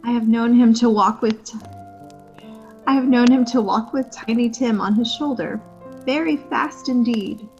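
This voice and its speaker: An actress playing a tender, grieving mother in a radio drama, gentle and sorrowful, on muffled audio. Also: fairly high pitch, measured pace, faint music behind.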